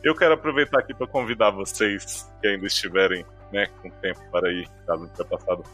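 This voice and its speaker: A man hosts a casual live podcast chat, talking in a chatty, inviting way full of fillers. A glitch distorts his voice so that it sounds demonic. His pitch sits low. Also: fast, pushed and bright, slightly rough, faint music behind. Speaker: podcast host.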